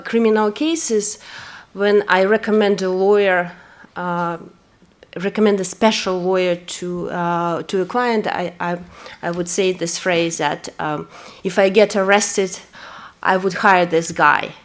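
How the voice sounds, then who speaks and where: A woman from Kazakhstan, a lawyer giving an earnest, hesitant introduction at a press event, full of fillers. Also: medium pitch. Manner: earnest, personal testimony.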